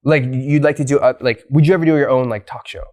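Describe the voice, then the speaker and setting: A man's voice: mid-range voice, fairly even intonation, fast, darkish tone. A man who grew up in the United States, hosting a casual interview. He asks curious, rambling questions with many restarts. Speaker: talk show host.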